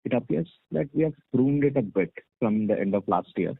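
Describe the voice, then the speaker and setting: A man's voice: mid-range voice, animated, fairly quick, vocal fry, husky, no echo. A man asking follow-up questions as an analyst on a conference call. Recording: dry, phone-like audio.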